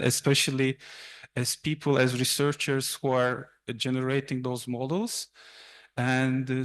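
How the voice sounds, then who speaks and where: A young man who speaks Turkish as his first language presents a university seminar in a lecture room. His voice sits in the mid range, and he talks through his slides haltingly, with fillers and restarts, in an academic presentation.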